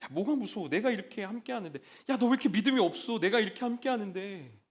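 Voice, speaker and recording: A man voicing Jesus as a gentle, fatherly figure who softly asks his frightened disciples why they are afraid. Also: sits high, expressive, quick pace. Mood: reassuring. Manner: soft reassuring questions.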